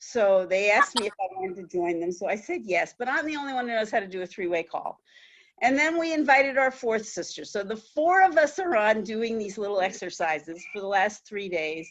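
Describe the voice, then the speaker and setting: A woman talks at a fairly quick pace with a fairly high pitch. Her pitch swings very widely. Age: 70s. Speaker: call participant. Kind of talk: personal sharing on group call. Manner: halting.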